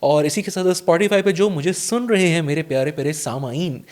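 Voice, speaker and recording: Young male podcast host, chatty and courteous, slightly high voice. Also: fairly quick. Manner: chatty, warm formal address, frequent fillers. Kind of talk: casual interview chat.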